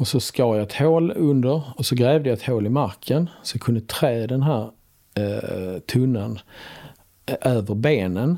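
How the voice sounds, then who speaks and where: A man with a dark, mellow tone speaks at a medium pitch and a fairly slow pace, with ordinary pitch variation. The recording is very clean, with a silent background. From Skåne, southern Sweden. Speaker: goose hunting guide. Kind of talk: interview.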